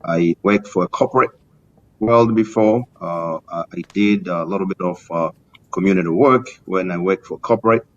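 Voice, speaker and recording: A middle-aged man with a Tanzanian accent answering as an interview guest, formal and courteous, with many halting hesitations. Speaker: interview guest, community business leader. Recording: muffled lo-fi link with rumbling noise.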